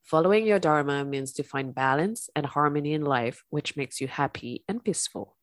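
Low-voiced congested woman podcast host. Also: animated, moderate pace, no room sound, clean studio sound. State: congested, recovering from illness. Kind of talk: calm spiritual podcast talk.

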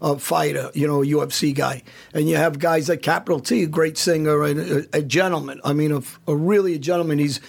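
A man's voice: a little high, fairly even intonation, a little fast, gravelly, few pauses, breathy edge. A man hosting a podcast in casual chat, blunt and emphatic, often restarting his sentences. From United States. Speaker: podcast host.

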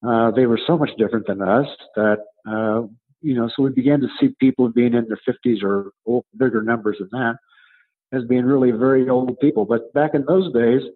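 The audio is narrow and tinny as a man in his seventies, an author and coach, talks through interview questions. His medium-pitched voice has a breathy edge, and his explanations come haltingly, with words repeated as he thinks.

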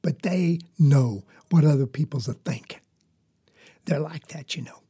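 A man's voice: a little high, measured pace, warm tone, breathy edge, pitched below the performer's own voice. A man telling as an earnest poor Southern boy. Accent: rural Southern US. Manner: folksy drawl, rambling. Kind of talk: storytelling monologue.

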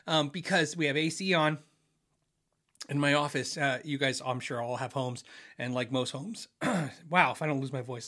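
Chatty middle-aged man, slightly high voice. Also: bright, forceful tone. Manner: rambling, restarts often, many fillers. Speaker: livestream host reading viewer messages. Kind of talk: casual chat. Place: home office.

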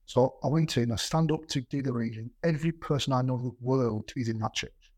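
A middle-aged business executive, interviewed in a reflective, conversational way, shares anecdotes in a slightly rough, husky mid-range voice with a darkish tone. He's plain-spoken and fairly quick, stammering and repeating words as he goes. The recording is dry and close, with no room sound.

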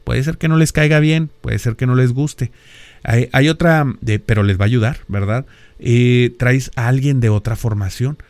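A middle-aged man hosting a podcast explains concepts in a lecturing manner, regularly adding rhetorical questions and "¿verdad?" in his northern Mexican Monterrey accent. His medium-pitched, darkish voice moves at a normal speed in a dry recording.

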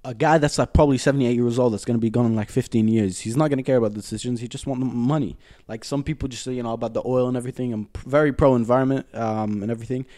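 A man's voice: medium pitch, very fast, few pauses. A young man whose first language is Arabic, joking around playfully in a casual group chat. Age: young adult. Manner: playful, jokey, animated.

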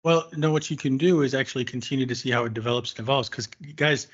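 A man's voice: mid-range voice, quick pace, slightly rough, highs cut off. A man hosting a casual whiskey tasting, thoughtful and searching for words, with frequent fillers.

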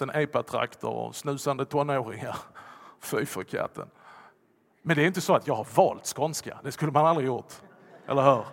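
A male preacher with a Scanian Swedish accent delivers a Pentecost sermon in a fairly high voice. He swings from ringing, emphatic outbursts to hushed, almost whispered lines. His voice trails off into the long reverb of a church. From Skåne, Sweden.

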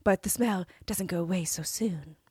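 A woman voicing a young princess who coaxes and wheedles in a raised, sweet voice, breathy throughout. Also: lowish voice, moderate pace, darkish tone, dry recording, studio quality. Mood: coaxing. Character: young princess, coaxing and cunning.

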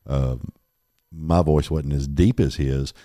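A middle-aged man with a very deep voice hosting a podcast, chatting in a rambling, laid-back way. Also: steady tone, takes it slowly, mellow, no room sound, clean studio sound. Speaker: podcast host. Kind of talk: casual chat.

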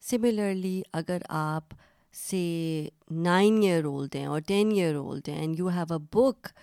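A woman's voice: fairly low pitch, dark tone, clean tone, no echo, studio quality. A woman hosting a children's story podcast, telling stories and quizzing young listeners in a friendly, teacherly way that mixes Urdu and English.

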